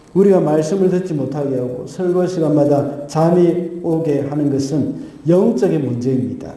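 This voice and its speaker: Dark-voiced male pastor preaching in an echoey church. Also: a little high. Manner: measured preaching, frequent affirming interjections. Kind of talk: sermon. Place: church sanctuary.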